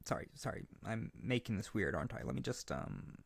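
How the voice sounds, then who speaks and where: A man playing an earnest, lovesick young harpy bird-boy in a roleplay audio drama, gentle and insecure, speaking tenderly with hesitant stammers. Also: on the low side, sing-song, fairly quick, gravelly, slightly rough, no room sound, exaggerated voice. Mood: dejected, awkward. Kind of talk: roleplay audio drama spoken intimately to the listener.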